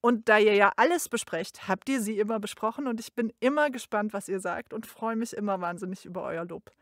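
A woman's voice: mid-range voice, fairly quick, fairly bright tone, dry recording, studio quality. A woman recording an informal congratulatory voice message in a chatty, emphatic way. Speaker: guest sending a recorded greeting.

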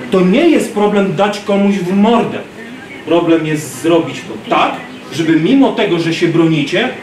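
A man in his thirties giving an animated self-defense lecture to a class, acting out street scenes, filmed by a distant camera in a large gym. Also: sits high, noisy background. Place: large gym hall, indoors. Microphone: far camera. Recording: roomy gym echo from far off.

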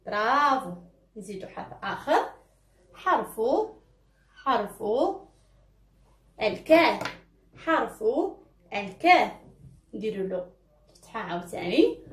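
Lively Moroccan woman teaching small children. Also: mid-range voice, reverberant. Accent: Moroccan Arabic. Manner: encouraging, drawn-out repeated syllables. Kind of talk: children's phonics lesson.

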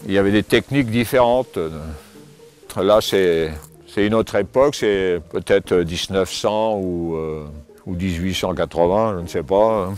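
An older man giving a casual tour of his cave home, talking with many pauses and fillers, recorded on a camera mic as he moves around. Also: sits low, a little mellow, soft background music. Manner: hesitant, many fillers and restarts. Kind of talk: casual spoken house tour. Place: inside stone cave rooms and outdoors by cliffs.

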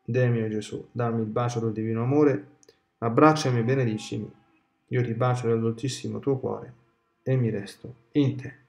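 A man reads devotional prayers, slow, soft and reverent. His voice is dark and gravelly. The sound is echoey, with faint music in the background. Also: mid-range voice, fairly even intonation. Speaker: devotional reader.

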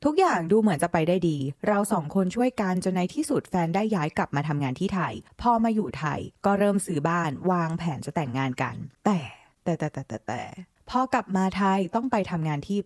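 A woman's voice: lowish voice, darkish tone, no room sound, studio quality. A woman reading a forum love story aloud, with sassy chatty asides to the listener. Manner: sassy, addresses listener as girlfriend.

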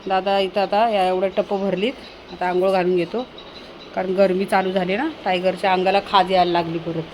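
A woman vlogger chats casually through a home vlog, scolding as she goes, in a noisy home recording. Her voice is medium-pitched, flat in delivery, and a little fast.

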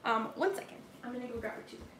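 A woman's voice: a little high, animated, racing, noisy background. A young woman with a Southern accent chatting casually on a live stream from her home kitchen, answering viewer comments while she bakes. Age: young adult. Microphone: laptop or phone camera at table distance. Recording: echoey kitchen room sound.

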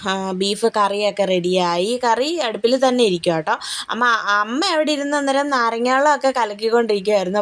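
A woman's voice: medium pitch, dry recording. A young woman narrating her family day in a casual vlog, rambling and chatty with frequent fillers and tag-questions. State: tired and sluggish after a heavy meal. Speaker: family vlogger.

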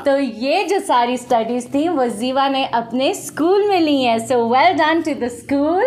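A woman's voice: sits high, lively intonation, very fast, a little mellow. A young woman with a South Asian accent, encouraging and prompting in simple questions as she teaches a children's Bible lesson. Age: young adult. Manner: mixes English with Hindi-Urdu. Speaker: host teaching a small child.

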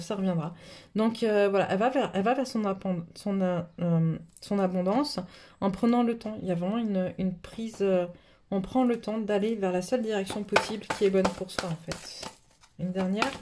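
A woman's voice: mid-range voice, normal speed, a little mellow. Brief: woman with a cold, rambling card reader, plenty of fillers, faint noise behind. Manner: rambling, many fillers and restarts. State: has a cold. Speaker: tarot reader. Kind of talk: casual spiritual card reading. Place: home table, camera above the cards.

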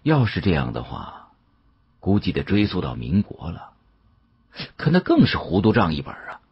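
A man with a husky voice narrating an audiobook in an animated storytelling style. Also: low-pitched, normal speed, no echo, muffled recording.

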